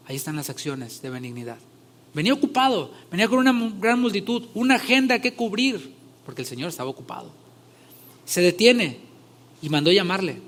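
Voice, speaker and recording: Male pastor, fairly high voice, conversational sermon with emphatic swells. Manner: conversational, rising loud when retelling scripture scenes.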